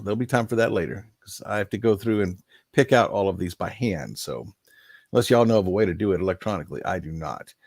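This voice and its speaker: The older live-stream host here has a fairly low voice with a breathy edge and a touch of allergy nasality. Folksy and rambling, he chuckles through asides and calls out viewers by name. The recording is dry and studio quality.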